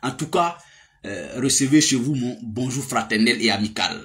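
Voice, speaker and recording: A man's voice: mid-range voice, normal speed, bright, forceful tone. A man, giving a casual political monologue with many fillers and emphatic outbursts. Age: 30s. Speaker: political commentator.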